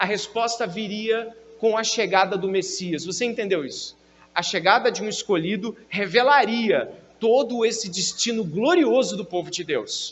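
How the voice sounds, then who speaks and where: Ordinary pitch variation at a fairly slow pace. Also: man, high pitch for a man. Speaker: pastor. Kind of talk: sermon.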